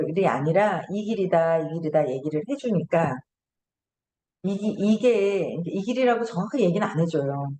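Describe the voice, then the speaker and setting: A woman's voice: on the low side, warm tone, echoey room. A middle-aged woman hosting a casual lecture, telling stories in a chatty way and laughing often. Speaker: host.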